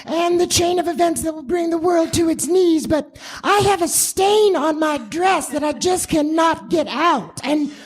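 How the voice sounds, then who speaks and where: A woman's voice: very high voice, measured pace, faint music behind. A woman playing a needy, effusive housewife who frets and pleads in a comic radio play. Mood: fretful, effusive. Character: Margaret, needy fretful housewife friend, loud and shrill.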